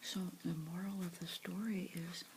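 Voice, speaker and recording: A woman softly whispering her way through a picture book, slowly and dotingly remarking on the pictures as she reads. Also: lowish voice, level tone, background noise. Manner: slow, soft, doting commentary on the pictures.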